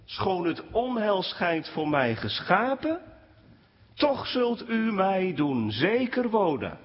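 A man preaching a sermon to his congregation, speaking with animated swings in pitch. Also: slow pace. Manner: animated preaching, rising pitch when quoting complaints. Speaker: pastor. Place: church. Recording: dull sound with long church reverb.

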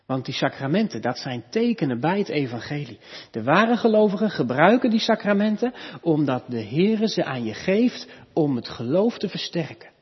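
A man preaching a sermon in a church, teaching earnestly, lifting his voice for emphasis and dropping soft at the ends of points. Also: on the high side, sing-song, normal speed, breathy edge. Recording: reverberant church hall, dull lo-fi sound.

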